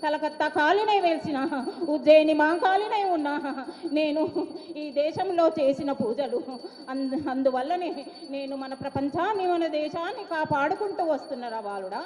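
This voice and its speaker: A woman's voice: sits high, lively intonation, normal speed, darkish tone. A woman with a Telangana accent declaims oracle prophecy in a trance voice, in short phrases, as a commanding, protective mother goddess. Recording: echoey, reverberant hall sound.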